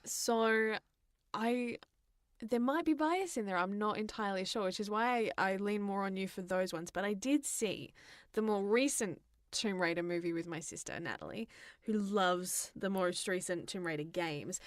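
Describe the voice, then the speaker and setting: A young woman chats casually as a podcast co-host. Her voice sits at an ordinary pitch for a woman. The sound is dry, with very little room around it, and her delivery is loose and conversational. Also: moderate pace, dry recording. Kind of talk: casual chat about films and games.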